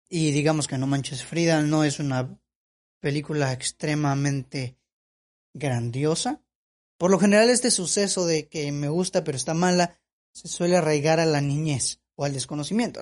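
A man's voice: high-pitched, a little mellow. A man giving opinion commentary as a film vlogger. He talks in an emphatic, lecturing way and repeats his points.

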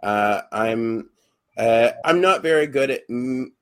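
A man's voice: medium pitch, takes it slowly. A young adult man, a podcast co-host and actor, chatting casually and hesitantly with many fillers and restarts.

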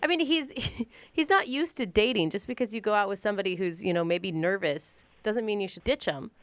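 A woman's voice: medium pitch, brisk, fairly bright tone, no room sound. A woman co-hosting a radio show, who pushes back in a scolding way. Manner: pushy, scolding. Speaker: radio co-host. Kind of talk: radio talk.

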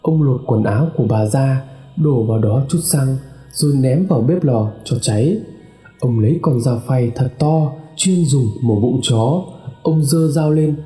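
Dark-voiced man narrating horror. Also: medium pitch. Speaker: storyteller. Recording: echoey room, long reverb, faint music.

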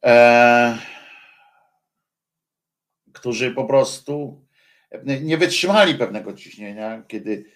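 A man hosting a radio show, talking in a halting, reflective way with many filler sounds between songs. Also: mid-range voice. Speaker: radio host.

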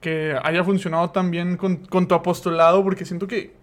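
A man's voice: sits high, little pitch movement, moderate pace. A Mexican man co-hosting a podcast, chatty, curious and enthusiastic, using casual slang. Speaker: podcast co-host.

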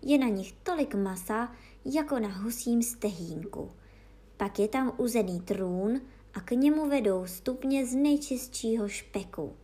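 A woman's voice: fairly high pitch, warm tone, lightly acted. A woman voicing an old female dog fairy who tells tales in a savouring, storytelling manner.

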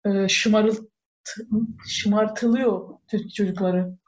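A woman's voice: mid-range voice, steady tone, very slow. Casual conversational woman, mixes in phrases, slightly lo-fi sound. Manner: mixes in German words and phrases. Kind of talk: casual chat.

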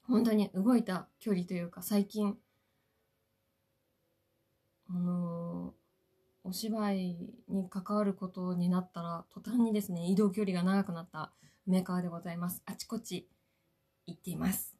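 A woman hosting a solo podcast, chatting politely and playfully to her listeners from a quiet hotel room. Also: on the low side, steady tone, moderate pace. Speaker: podcast host, actress. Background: faint classical Ave Maria music.

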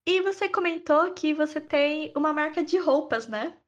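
A woman's voice: high voice, moderate pace. A woman hosting a podcast, opening the episode and asking her guest short, friendly questions. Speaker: podcast host. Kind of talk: podcast interview.

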